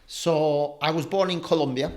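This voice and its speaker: A man's voice: a little high, normal speed. A young man from Spain, a padel coach, talking casually in an interview with many fillers. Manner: relaxed, chatty, many fillers like "um" and "like".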